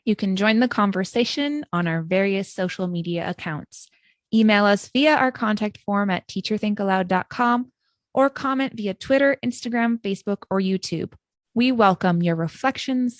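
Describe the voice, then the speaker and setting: A woman's voice: mid-range voice, no echo. Earnest woman co-host, dry close sound. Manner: measured, affirming, earnest. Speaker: podcast co-host, English teacher. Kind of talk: scripted podcast discussion.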